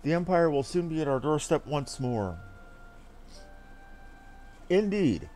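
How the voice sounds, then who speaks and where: A man's voice: a little high, lively intonation, slow, darkish tone, soft background music. A man voicing an earnest, self-assured young noble diplomat from a fantasy game, speaking in formal, archaic and declamatory language. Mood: confident, measured. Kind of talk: theatrical read-aloud of fantasy game dialogue.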